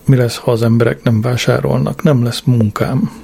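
A man's voice: medium pitch, steady tone, vocal fry, dark tone, slightly rough. A man voicing a weary shop salesman who sighs and sounds downcast. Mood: gloomy. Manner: gloomy, sighing. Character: weary middle-aged male electronics shop salesman.

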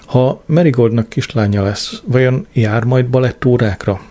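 A man reading a first-person diary novel aloud as an audiobook, in a measured, dry way, giving small voices to the quoted lines. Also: mid-range voice, warm tone. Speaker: audiobook narrator. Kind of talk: scripted first-person narration.

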